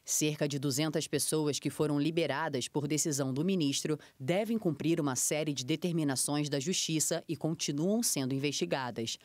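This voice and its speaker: A reporter reading a scripted news voice-over in an even, formal way. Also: medium pitch, moderate pace, few pauses, no room sound, clean studio sound.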